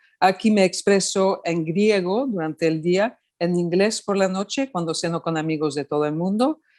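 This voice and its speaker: A woman with a French accent speaks at a moderate pace with hardly any pauses, medium pitch and ordinary pitch variation, in a dry, close recording with no echo. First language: French (speaking Spanish). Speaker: anthropologist, lecturer. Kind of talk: lecture. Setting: remote talk, from a Greek island.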